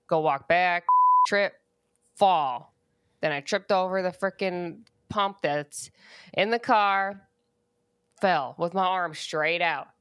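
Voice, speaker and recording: A woman's voice: on the low side, fairly bright tone, smooth, dry recording. A young woman co-hosting a podcast, chatting casually and acting out bits of dialogue as she tells a story. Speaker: podcast co-host. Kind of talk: casual chat. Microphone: studio podcast mic.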